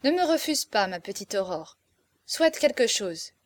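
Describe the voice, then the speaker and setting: A woman's voice: mid-range voice, big pitch swings, moderate pace, dry recording, lightly acted. A woman reading aloud, voicing a playful, headstrong young gypsy woman who teases and insists. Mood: teasing. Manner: teasing, insistent, theatrical.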